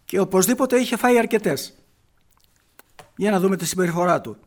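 A man delivers a sermon, walking his listeners through a Bible story line by line. His voice sits a little high for a man, and he keeps asking rhetorical questions and answering them himself. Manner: retells scripture with constant "he says", rhetorical questions. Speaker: preacher.

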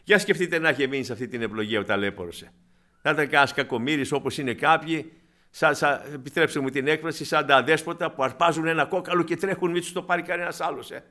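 A man preaching a sermon to his congregation, animated, swinging between loud exclamations and hushed asides, calling them dear brothers. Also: fairly high pitch. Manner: acts out quoted scripture and people in his own voice.

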